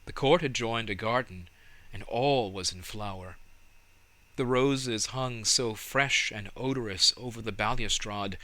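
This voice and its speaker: A man narrating a storybook in a measured, dramatic and expressive way. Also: lowish voice. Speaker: audiobook narrator.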